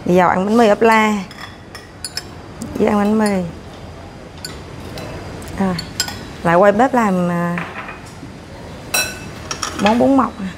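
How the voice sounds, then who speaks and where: Casting note: woman in her 30s, chatty buffet vlogger on a lapel mic, steady mid voice, dishes clinking clearly behind. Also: medium pitch, noisy background. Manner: chatty, narrating while serving herself food. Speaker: food vlogger. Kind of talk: casual walkthrough vlog. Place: hotel breakfast buffet room, indoors. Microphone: clip-on lapel mic.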